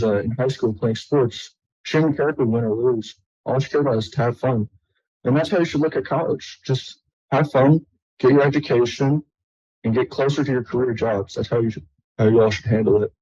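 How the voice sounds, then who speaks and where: Young man with a mellow voice on a lo-fi home video. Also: mid-range voice, no room sound. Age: young adult. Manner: friendly, rambling, many fillers. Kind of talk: casual video message.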